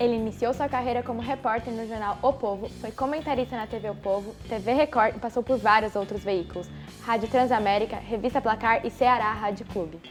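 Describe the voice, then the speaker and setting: Over music in the background, a woman with a fairly high pitch talks at a fairly quick pace with fairly even intonation and hardly any pauses. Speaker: journalism student. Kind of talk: interview host.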